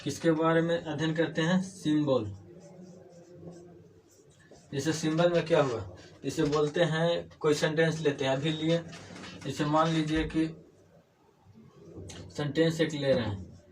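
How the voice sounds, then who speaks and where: A man's voice: fairly high pitch, steady tone, measured pace, long pauses. Man teaching grammar from across the room. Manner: explains step by step, repeats key words as questions. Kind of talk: classroom lecture. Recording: distant mic, faint room noise.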